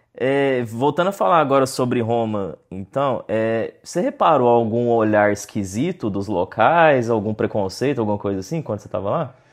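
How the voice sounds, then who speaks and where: A man with an ordinary speaking voice talks at a moderate pace and medium pitch, using lively intonation over a quiet background. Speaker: podcast host. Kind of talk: casual interview chat.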